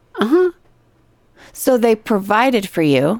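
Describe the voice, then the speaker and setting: A woman speaks at a moderate pace, her sound dry and close with no echo. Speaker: podcast host. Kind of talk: interview.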